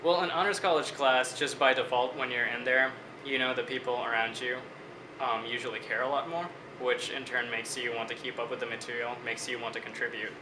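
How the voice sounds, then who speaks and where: A man in his twenties from Bangladesh, a student answering interview questions in a measured, reflective way. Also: medium pitch, fairly even intonation, echoey room, noisy background. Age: 20s.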